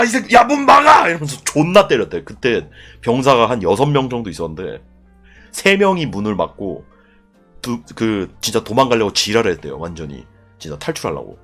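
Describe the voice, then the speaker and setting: Profane, animated young man telling army stories. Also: on the low side, slightly rough. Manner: animated, profane, acts out voices with loud bursts. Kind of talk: casual storytelling to a live chat.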